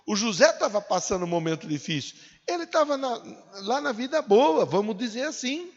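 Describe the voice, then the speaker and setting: A Brazilian man in his forties preaching a sermon in a conversational way, asking his listeners rhetorical questions. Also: extremely high pitch. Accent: Brazilian Portuguese. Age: 40s. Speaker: pastor. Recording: dull, echoey hall.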